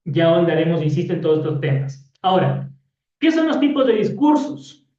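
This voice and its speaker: A man's voice: on the high side, big pitch swings, fairly quick, dark tone. Man teaching in an echoey classroom. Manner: explanatory, frequent "¿sí?" and "¿ya?" tags. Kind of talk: classroom lecture. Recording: echoey room, distant dull mic.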